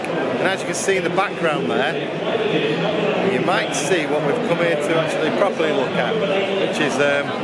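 Loud background noise sits behind a man talking at a moderate pace. His pitch varies in an ordinary way. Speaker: vlogger. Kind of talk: casual vlog chat. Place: hall. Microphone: phone near.

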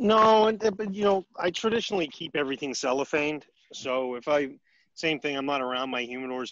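A man with a normal speaking voice talks fairly quickly with lively intonation. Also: fairly high pitch for a man. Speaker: podcast co-host. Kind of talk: casual chat. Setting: video call.

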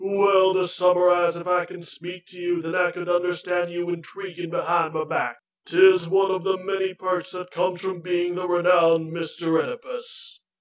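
A man puts on a high-pitched, menacing character voice, talking at a moderate pace with hardly any pauses. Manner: jovial yet menacing.

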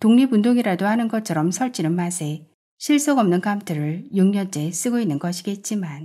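With a dark, mellow tone and a slightly breathy quality, a woman talks at a moderate pace in a medium pitch with lively intonation, in a very clean recording with a silent background. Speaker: audiobook narrator. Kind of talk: reading aloud.

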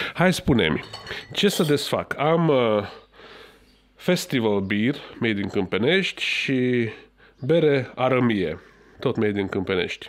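Very wide pitch swings mark this man's speech. He talks at a very slow pace with long, frequent pauses. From Făgăraș area, Romania; Romania. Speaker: podcast host. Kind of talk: casual chat. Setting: old barn near Cluj. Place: studio. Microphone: studio mic.

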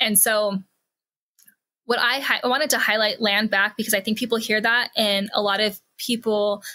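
This woman's voice sits at a fairly high pitch and carries a bright, sharp tone. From US Southwest, northern New Mexico. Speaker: environmental microbiologist and runner. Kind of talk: casual interview conversation.

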